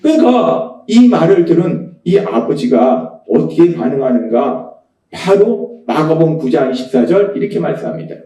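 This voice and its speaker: A man preaching a Sunday sermon as pastor, emphatic and repeating key phrases, sometimes rising to shouts. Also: a little high, sing-song, normal speed. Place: church sanctuary. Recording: echoey church hall, mic at a distance.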